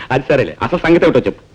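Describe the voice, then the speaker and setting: Senior cop, curt and amused, lively husky voice, quick talk. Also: male voice, medium pitch, dull audio. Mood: dismissive. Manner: curt, chuckling, authoritative. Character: dismissive, amused senior male police officer. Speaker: senior police officer.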